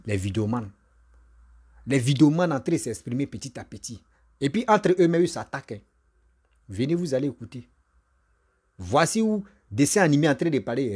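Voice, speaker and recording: A man with an Ivorian accent and a somewhat husky voice presents informal commentary. He speaks straight to his audience at a medium pitch, repeating phrases for emphasis. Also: darkish tone. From Ivory Coast. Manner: repetitive, emphatic, addresses viewers directly. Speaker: online video commentator and presenter.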